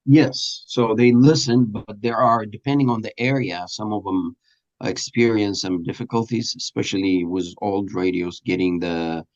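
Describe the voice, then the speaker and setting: A man being interviewed as a radio presenter, explaining things haltingly as he searches for words, on a dull lo-fi recording. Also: lowish voice, steady tone, darkish tone. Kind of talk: interview answers, explanatory talk.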